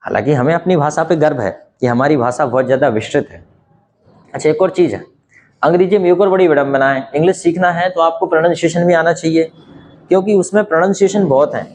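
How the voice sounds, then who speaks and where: A man whose first language is Hindi, teaching a spoken English lesson and explaining slowly with many rhetorical questions. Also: fairly high pitch, a little mellow.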